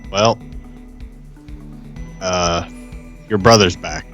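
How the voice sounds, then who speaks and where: A low-voiced man speaks very slowly and deliberately, leaving pauses between phrases as he improvises in a tabletop game. Faint music runs behind his casual delivery. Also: fairly bright tone. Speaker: tabletop roleplay player. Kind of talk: casual improvised roleplay chat.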